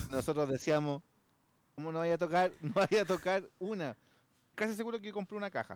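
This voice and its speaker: A man speaks at a moderate pace with a Chilean accent. His high pitch shows ordinary variation, and the sound is dry and close with no echo. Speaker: card game player. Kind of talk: casual chat.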